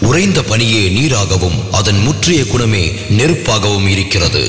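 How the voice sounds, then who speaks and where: A man reading solemn scripted narration in a formal, measured manner. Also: fairly low pitch, fairly bright tone. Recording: echoing long reverb, music behind.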